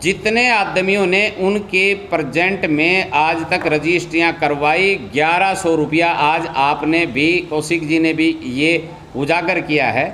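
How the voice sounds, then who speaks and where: A man's voice: a little high, unhurried, few pauses, bright, forceful tone, a little hiss or hum, low-quality recording. A man speaking as a local politician making a statement to reporters, insistent, repetitive and accusatory. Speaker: local politician and anti-corruption campaigner.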